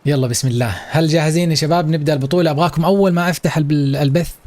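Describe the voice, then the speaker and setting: A man's voice: on the high side, racing, a little mellow, no room sound. A man with a Saudi Arabic accent hosting a live esports watch-along stream, hyping it up and chatting playfully with his viewers.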